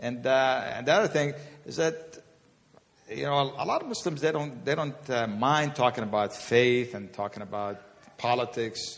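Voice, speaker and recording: An ordinary speaking voice from a man, medium in pitch with ordinary pitch variation, at a moderate pace. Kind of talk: panel discussion.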